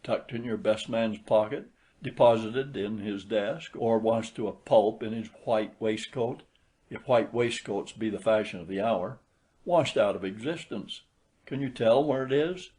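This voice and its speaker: A man's voice: lowish voice, unhurried, warm tone. A man reading a literary short story aloud as an audiobook narrator.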